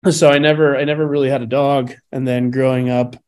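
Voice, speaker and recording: A Cuban-born dog trainer, guesting on an interview, answers casually and rambles through his story, filling gaps with frequent fillers and laughing between tales. His mid-range voice is smooth and a little dark, moving fairly quickly with a level tone.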